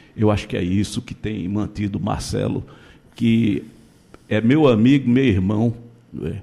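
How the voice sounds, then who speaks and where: Vocal fry marks this man's fairly low voice. His tone is dark and mellow, with ordinary pitch variation. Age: 60s. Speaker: football club director. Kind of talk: radio interview.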